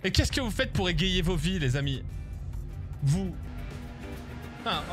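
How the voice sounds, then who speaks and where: A man's voice: high voice, very animated, a little slow, over loud music. A man from France streaming a shooter game, ranting crudely and animatedly at his chat and teammates. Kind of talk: casual gaming stream rant.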